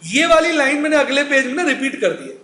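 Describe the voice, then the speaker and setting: This middle-aged accounts lecturer has a very high, sharp-toned voice, speaking fast and expressively as he chats with the class and answers his own questions. Faint noise sits under the echoey room sound.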